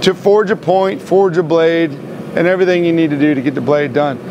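Light background noise is present. A man talks over it. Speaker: bladesmith instructor. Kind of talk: tutorial. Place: workshop.

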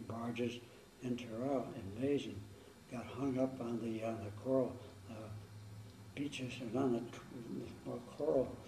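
A man with an American accent at a moderate pace, monotone and flat, with long, frequent pauses, light background noise and audible room echo. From upstate New York (Fort Edward). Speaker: war veteran. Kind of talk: oral history interview. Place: home room.

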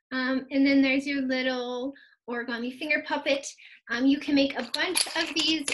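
Light background noise accompanies a woman speaking at a high pitch. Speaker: art teacher. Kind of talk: tutorial. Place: home room. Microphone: webcam.

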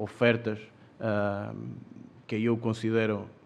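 A man's medium-pitched voice with a Portuguese accent, very slow pace and monotone, flat intonation. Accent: Portuguese-accented Italian. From Portugal. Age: 30s. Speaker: football club sporting director. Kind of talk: press conference. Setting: press room. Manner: halting. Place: hall.

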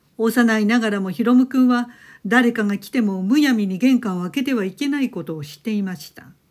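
A normal speaking voice, fairly quick in pace, with ordinary pitch variation. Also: woman, fairly high pitch for a woman, big swings in loudness. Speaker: ghost story narrator. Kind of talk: ghost story narration, reading aloud a true-story account. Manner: polite, formal.

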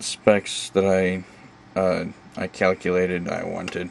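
This man has a fairly low-pitched voice. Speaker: electronics hobbyist. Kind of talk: casual talk to camera, project overview. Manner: monotone. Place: home room. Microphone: phone near.

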